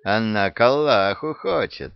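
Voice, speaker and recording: A man's voice: lowish voice, expressive, measured pace, gravelly, smooth, no echo, dull audio. A man voicing a crafty saint who is also a thief, wheezing and indignant in a storybook reading.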